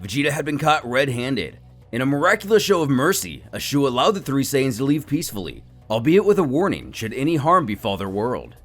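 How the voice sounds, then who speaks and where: A man telling an animated adventure story in scripted, dramatic narration. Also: mid-range voice, a little fast, faint music behind.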